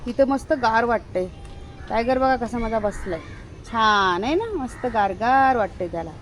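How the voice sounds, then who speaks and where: A woman's voice: fairly high pitch, expressive, moderate pace, slight background noise, low-quality recording. A woman vlogging at home on a rooftop terrace, chatting to her viewers and coaxing her pets in a sing-song voice. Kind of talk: casual home vlog.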